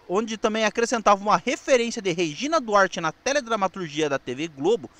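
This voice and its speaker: High-pitched Brazilian man narrating. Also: a bit bright, dry recording. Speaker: host of a retro television review show. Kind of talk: semi-scripted narration recapping a telenovela.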